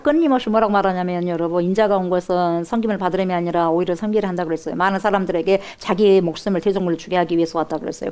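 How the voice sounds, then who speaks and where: A woman's voice: mid-range voice, a little mellow. A woman pastor with a Jeolla accent preaching a sermon emphatically and putting direct questions to the congregation.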